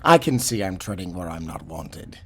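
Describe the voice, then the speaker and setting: A man's voice: low-pitched, animated, moderate pace, bright, forceful tone, breathy edge, heavily acted. A man acting a proud, critical professor in a sci-fi audio drama, stiff and pompous, turning defensive. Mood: defensive, indignant. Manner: pompous, stiff, hesitant when challenged.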